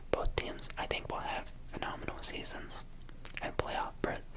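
A man whispers at a fairly slow pace. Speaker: sports commentator. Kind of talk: commentary. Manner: soft, close-mic ASMR speaking. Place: home room. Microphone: studio mic.

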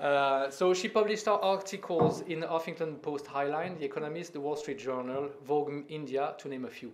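This is an unremarkable speaking voice with ordinary pitch variation. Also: man. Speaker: panel moderator. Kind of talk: panel discussion. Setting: stage with audience. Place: home room. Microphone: podium.

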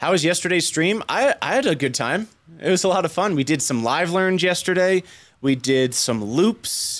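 A man's high voice at a moderate pace, with very wide pitch swings. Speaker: music streamer. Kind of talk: casual live stream chat. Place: studio. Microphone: studio mic.

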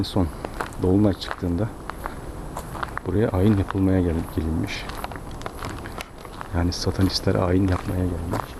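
Over noticeable background noise, a man speaks at a fairly slow pace with long, frequent pauses, and the sound is dry with no echo. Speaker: paranormal channel host. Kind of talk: narrating commentary while walking. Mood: tense, hushed. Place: forest. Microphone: phone near.

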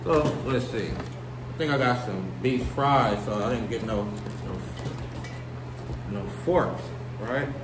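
A man talks at a fairly slow pace with ordinary pitch variation over noticeable background noise. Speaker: food reviewer. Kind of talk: casual vlog chat. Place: home room. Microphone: phone near.

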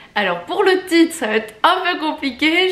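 A woman talks with lively intonation, and audible room echo hangs around her words. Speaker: book YouTuber. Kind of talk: book review vlog. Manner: hesitant, many fillers. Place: home room.

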